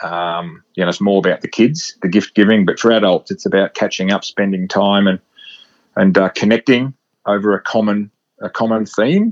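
The man's voice is fairly low, with fairly even intonation. He keeps a moderate pace, and the sound is dry and close with no echo. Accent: Australian. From Australia, Victoria. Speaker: mortgage business coach, podcast co-host. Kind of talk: casual chat.

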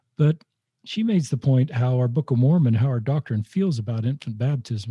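Against a quiet background, a man with a dark, mellow tone sounds somewhat breathy, dry and close with no echo. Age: 60s. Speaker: podcaster and author, former lay church leader. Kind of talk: casual interview.

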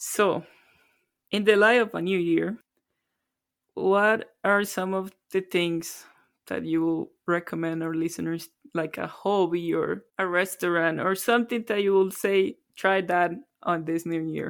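A woman with a Spanish accent speaks at a medium pitch with fairly even intonation. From Colombia. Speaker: podcast co-host. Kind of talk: casual chat.

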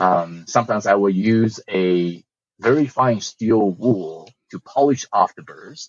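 A man with an unremarkable speaking voice talks at a fairly slow pace and fairly low pitch. He uses ordinary pitch variation, and his loudness swings widely. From Canada. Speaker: scale modeler and YouTuber. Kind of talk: casual interview chat.

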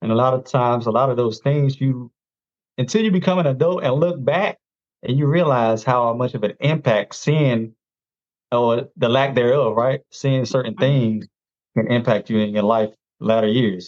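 Here is a man with an ordinary speaking voice and an American accent, talking at a moderate pace in a medium pitch. His loudness stays very even and his pitch varies in an ordinary way. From North Carolina small town. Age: 40s. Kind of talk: personal story interview. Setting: video call.

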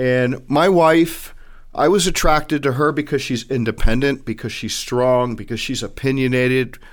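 A man speaks in a normal speaking voice at medium pitch, with ordinary pitch variation. He goes at a fairly slow pace on a very clean recording with a silent background. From US South, Miami. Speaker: financial advisor. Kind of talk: interview.

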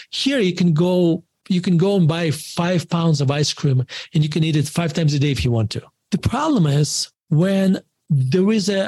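A man's high-pitched voice with a Russian accent. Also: very even loudness. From Soviet Russia. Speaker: author. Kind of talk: interview. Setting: call.

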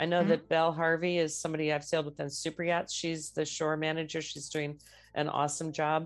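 A woman speaks in a plain, everyday voice, her pitch fairly low and her intonation fairly even. The background is quiet. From Michigan, US Midwest. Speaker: sailor and sailing center director. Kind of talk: interview.

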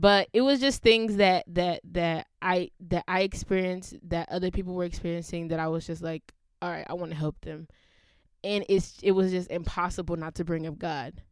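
A woman with an ordinary speaking voice talks at a moderate pace in a fairly low pitch with ordinary pitch variation, in a very clean recording with a silent background. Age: young. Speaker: co-host, church youth. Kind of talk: casual faith discussion.

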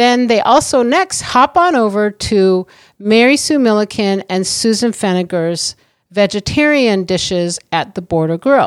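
A woman with an American accent and an ordinary speaking voice talks at a fairly high pitch and fairly slow pace, the sound dry and close with no echo on a very clean recording with a silent background. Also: lively intonation. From US Midwest (South Bend, Indiana). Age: 50s. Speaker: podcast co-host. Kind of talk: casual chat.

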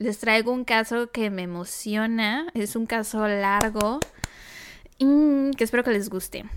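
This woman has an unremarkable speaking voice, fairly high in pitch, talking fairly slowly with ordinary pitch variation. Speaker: true crime podcast co-host. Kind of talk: casual storytelling chat.

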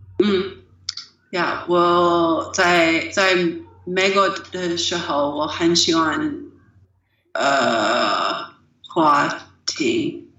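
Very slow speech with long, frequent pauses and audible room echo. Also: woman. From United States. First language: English (speaking Chinese). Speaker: Mandarin learner, expat. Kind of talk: casual chat. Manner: halting. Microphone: audio cutting in and out.

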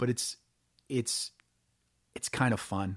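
A man with an American accent speaks with ordinary pitch variation in a dry, close sound with no echo. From New Orleans, US South. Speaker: musician. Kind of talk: casual chat.

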